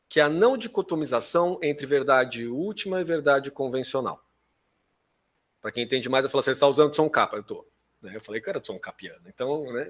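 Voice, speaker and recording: A man with a Brazilian accent lectures like a university professor. He explains step by step, often checking that listeners follow, and corrects himself as he goes. His pitch sits in the middle for a man, and he slips into informal asides. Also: fairly bright tone. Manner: didactic, frequent check-in questions to listeners.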